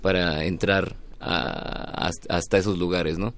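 Low, gravelly man, a musician being interviewed. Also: steady tone, a little slow, fairly bright tone. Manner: hesitant, reflective, searching for words. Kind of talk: casual interview talk.

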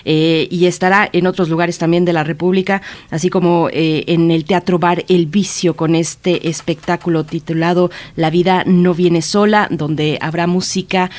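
A radio host, recapping the interview and announcing the guest in a smooth, flowing way. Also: medium pitch, fairly even intonation, normal speed, few pauses, darkish tone.

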